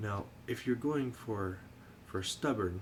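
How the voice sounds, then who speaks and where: A soft-spoken man talks here. His pitch is fairly low. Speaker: tabletop wargame podcaster. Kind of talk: casual podcast talk about tabletop game tactics.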